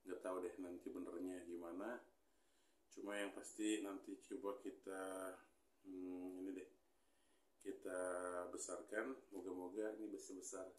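In a small room with a pink wall, a man in his thirties chats casually to camera while unboxing something for his hobby vlog. His voice is low and fairly flat, his pace unhurried, and the sound is roomy. He thinks aloud with plenty of fillers and a bit of mild grumbling.

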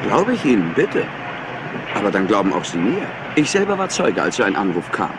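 An actor playing a clever, overexcited and smug rich nephew in a German crime drama, talkative and theatrical. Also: male voice, fairly low pitch, wildly swooping pitch, brisk, heavy background noise. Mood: agitated. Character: highly intelligent, overexcited, smug nephew of an industrialist. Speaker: actor dubbing a suspect. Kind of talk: German crime drama dub, animated acting.

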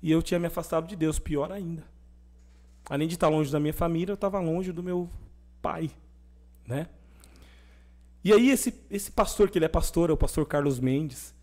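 A young adult man speaking as a podcast guest, his voice sitting a little high for a man. He tells his story with energy and plays out the lines of the people in it as he goes. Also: moderate pace, long pauses. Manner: animated testimony, acting out quoted dialogue. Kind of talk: conversational storytelling.

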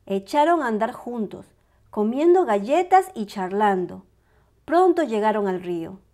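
Woman, children's story reader, high-pitched, sing-song welcoming delivery, very animated. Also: measured pace. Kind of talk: expressive read-aloud storytelling for young children.

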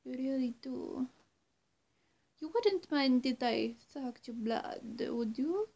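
Woman playing a high-voiced, coy female vampire. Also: lively intonation, mellow, heavily acted. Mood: coy, welcoming. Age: young adult. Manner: coy, halting, cooing endearments. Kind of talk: ASMR-style roleplay addressed to the viewer. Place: small indoor room, seated on a bed. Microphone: camera or phone at arm's length.

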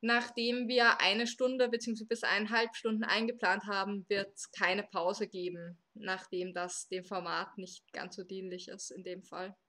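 Bright-voiced podcast host in her twenties. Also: medium pitch, level tone, measured pace, hardly any pauses. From Austria. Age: 20s. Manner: explains things at length, with fillers. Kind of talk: live podcast moderation.

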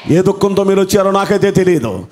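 A man's voice: sits high, expressive, fast, a little mellow, a little hiss or hum. A man preaching a sermon as pastor, telling a story dramatically, repeating phrases for emphasis and calling out hallelujah. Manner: fervent, exclaims hallelujah.

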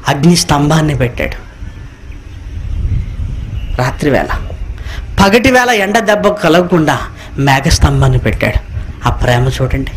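A man's voice: a little high, a little hiss or hum. A man preaching a sermon, asking the congregation rhetorical questions and repeating phrases for emphasis. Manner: reads scripture line by line, echoing the congregation.

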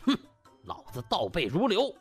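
A man's voice: high voice, huge pitch swings, moderate pace, breathy edge, heavily acted. A man playing a boastful, conceited male doctor in an audiobook, haughty and huffy. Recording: music bed behind.

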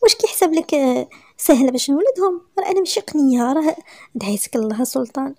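A woman's voice: high voice, quick pace, dark tone, husky. A woman voicing a young, fiery wife and mother in a story, with a Moroccan accent and emphatic, protesting delivery. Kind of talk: storytelling with acted dialogue.

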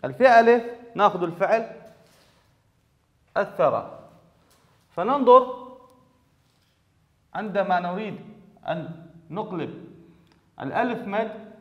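High-voiced man teaching grammar in an echoey hall. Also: lively intonation, unhurried, long pauses, fairly bright tone. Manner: explains step by step, often repeating key words. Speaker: Arabic teacher. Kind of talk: classroom grammar lesson. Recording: echoey hall, dull lo-fi sound.

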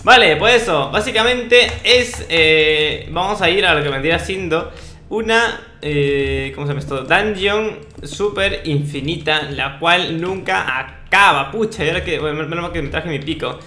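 A man's voice: fairly high pitch, moderate pace, bright, forceful tone. A young man giving casual gameplay commentary in a playful, mock-boastful, slangy way. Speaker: gaming video host. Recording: roomy echo, faint noise, clicks.

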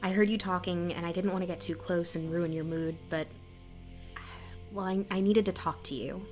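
A woman's voice: lowish voice, fairly even intonation, normal speed, faint music behind, close to an everyday voice. A woman playing a candid, apologetic small-town local in an audio drama.

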